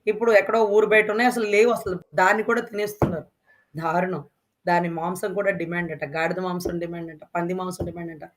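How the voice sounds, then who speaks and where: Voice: mid-range voice, steady tone, fast, a little hiss or hum. An interview guest speaking with passion, firing off emphatic rhetorical questions. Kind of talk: impassioned interview talk.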